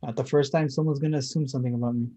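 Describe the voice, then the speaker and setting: A man acts out a shy and inexperienced gay man in a staged reading. He speaks at a medium pitch, earnest and tender, hesitating as he searches for words. The dialogue is played naturally. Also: fairly even intonation, very fast, mellow, natural voice. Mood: playful.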